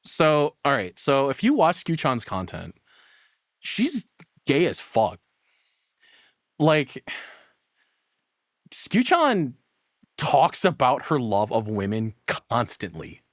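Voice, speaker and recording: A man's voice: mid-range voice, wildly swooping pitch, takes it slowly, pauses often, no room sound, clean studio sound. A man giving casual, crude and profane commentary as a streamer reacting to a video.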